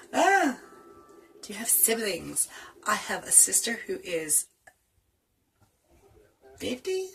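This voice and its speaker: A vlogger in her late thirties from North Carolina talks with a Southern US accent in a mid-range, creaky, sharp-toned voice on a rough recording. She chats casually and laughs often as she answers tag questions.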